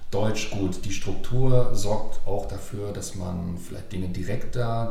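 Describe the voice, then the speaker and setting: A man at a very slow pace, with audible room echo and noticeable background noise. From Germany and England, bilingual upbringing. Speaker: guest, half-English expat. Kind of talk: casual interview. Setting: studio, table microphone.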